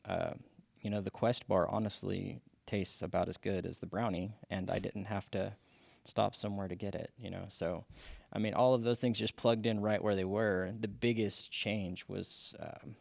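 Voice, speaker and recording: A man in his forties talking casually as a podcast guest, halting with many restarts and fillers. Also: fairly low pitch, fairly even intonation, creaky, a little mellow, dry recording. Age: 40s. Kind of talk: casual interview chat.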